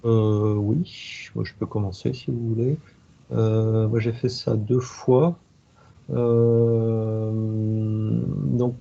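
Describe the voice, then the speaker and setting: Gravelly, dark-voiced man. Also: mid-range voice, highs cut off. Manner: hesitant, many restarts and fillers. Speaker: expert evaluator panelist. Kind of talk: webinar discussion.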